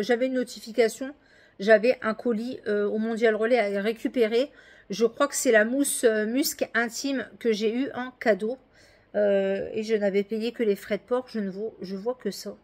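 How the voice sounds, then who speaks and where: A middle-aged woman chatting casually in a home vlog, rambling with many hesitations. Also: on the high side. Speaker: vlogger. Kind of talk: casual daily vlog chat. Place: at home indoors.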